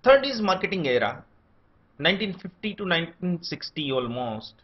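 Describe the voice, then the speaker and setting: Indian guy lecturing, pitch moves around a lot, slightly higher voice, dull lo-fi sound. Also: normal speed. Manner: steady enumerating delivery, lists points one by one. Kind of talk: scripted academic lecture. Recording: dull lo-fi recording.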